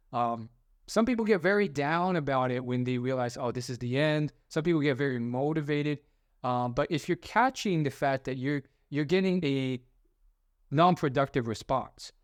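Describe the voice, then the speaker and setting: In clean studio sound without any room sound, a young man with a smooth, mid-range voice offers advice in a self-help video. His casual motivational talk rambles, packed with fillers and restarts.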